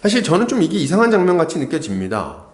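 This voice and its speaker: In a church sanctuary, a male pastor delivers an expository sermon in a slightly high voice whose pitch swoops wildly, moving at a quick pace. He often poses questions to the congregation and acts out what people might have said, and the room echoes.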